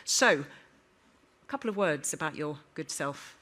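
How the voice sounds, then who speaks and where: A woman moderates a live panel in an informal style. Her voice is on the low side. She is chatty and emphatic, bantering as she steers speakers and audience. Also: lively intonation, takes it slowly, a bit bright, slight background noise.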